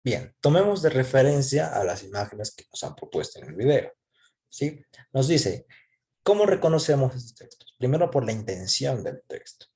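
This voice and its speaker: A man's voice: mid-range voice, sing-song, moderate pace, dark tone. A man teaching a lesson, explaining step by step, posing questions and answering them himself with frequent check-in tags.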